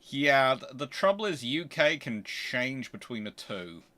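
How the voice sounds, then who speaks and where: A British man hosting a casual question-and-answer chat, talking in a rambling, halting way and often interrupting himself. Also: mid-range voice. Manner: rambling, halting, animated anecdotes with self-interruptions. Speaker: host answering viewer questions.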